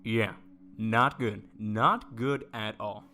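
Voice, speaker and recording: A man's voice: on the low side, slow, pushed and bright, soft background music. An actor playing a blunt, dismissive man in an audio drama, speaking in a curt, confident, matter-of-fact way. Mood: grim, urgent. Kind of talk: naturalistic audio drama podcast acting.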